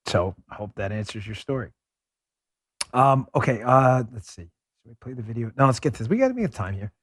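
A man's voice: mid-range voice, very animated, fairly quick, slightly rough, no room sound. Emphatic male podcast host, dry studio. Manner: emphatic, swings loud and quiet for emphasis; addresses listeners directly as folks. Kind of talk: political talk show monologue. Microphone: studio microphone.

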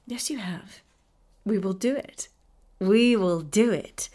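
A woman voicing a cheerful, loving mother with a warm, teasing manner in a storybook reading. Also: medium pitch, measured pace, close to an everyday voice. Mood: playful.

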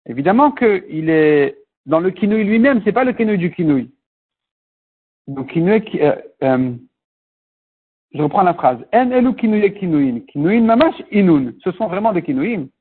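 Husky high-voiced man teaching Talmud. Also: sing-song, moderate pace. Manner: explains step by step, mixes Hebrew and Aramaic terms. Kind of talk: Talmud class explanation. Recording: tinny phone-like recording.

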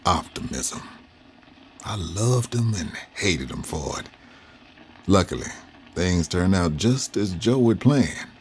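An actor playing an old freed man from the South who tells his life story slowly and reflectively. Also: deep voice, lively intonation, a little hiss or hum. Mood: reminiscing. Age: older. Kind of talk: audio drama narration.

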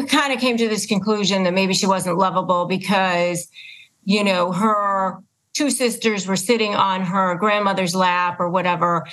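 A woman's voice: medium pitch, fairly bright tone, low-quality recording. A woman hosting a podcast interview in a conversational style, often circling back to rephrase her point. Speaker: podcast host.

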